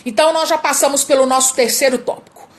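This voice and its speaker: Female speaking coach, Brazilian accent, high voice, emphatic and repetitive for stress. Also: fairly even intonation, fast. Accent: Brazilian Portuguese. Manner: emphatic, repeats key words, demonstrates vocal exercises. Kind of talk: live-streamed speaking lesson.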